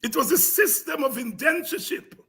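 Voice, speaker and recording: A man with a Guyanese accent giving an impassioned, informal history lecture as a programme host, emphatic, repetitive and combative, with a raspy, gravelly voice. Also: very high-pitched, animated, a little fast, a bit bright.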